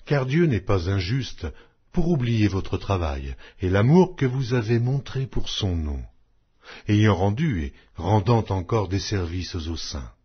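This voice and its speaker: A man reading scripture aloud as an audiobook, in a solemn, measured, declamatory way. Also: fairly low pitch, expressive, husky, muffled recording. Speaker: audiobook Bible reader.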